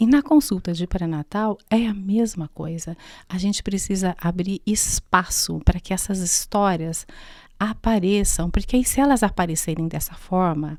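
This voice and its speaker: A woman speaks at medium pitch and a fairly slow pace in an ordinary speaking voice, with ordinary pitch variation. The recording is very clean, the background silent. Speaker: psychologist and obstetric nurse. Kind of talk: interview.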